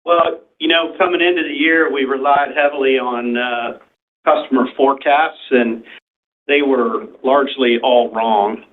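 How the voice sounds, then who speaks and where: A man answering questions as a company executive on a conference call, phrasing things deliberately and carefully. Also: medium pitch. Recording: narrow phone-line sound.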